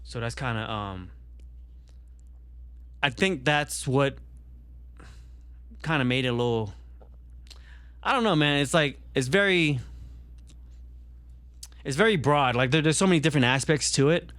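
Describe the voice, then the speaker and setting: A man's voice: mid-range voice, animated, measured pace, pauses often, a bit bright, clean tone, no room sound. A young man born in Vietnam, talking casually on a podcast and rambling with many fillers and restarts. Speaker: podcast guest.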